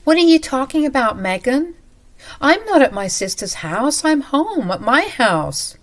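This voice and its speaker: A woman voicing a surprised older mother-in-law who speaks in a quick, startled way. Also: high-pitched, sing-song, pitched above the performer's own voice.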